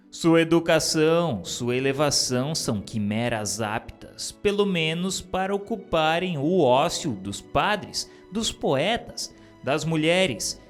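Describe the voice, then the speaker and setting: A man reads in a slow, unhurried cadence, his voice sitting a touch higher than most men's. His delivery is solemn and deliberate, each phrase weighed, with soft instrumental music far in the background. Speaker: reader of a spiritist book. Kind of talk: scripted solemn reading.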